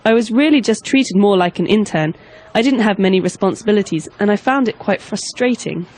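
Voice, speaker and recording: A woman's voice: mid-range voice, brisk, a little mellow, close to an everyday voice. A woman playing a young job candidate in a scripted dialogue, speaking earnestly about her past job.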